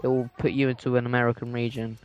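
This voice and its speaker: A teenage guy from England commentates on a video game as a guest. His mid-pitched voice stays quite monotone, and he speaks casually and hesitantly, matter-of-fact about what he plays. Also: quick pace, clear, resonant tone, highs cut off. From England, moved from Dubai aged two.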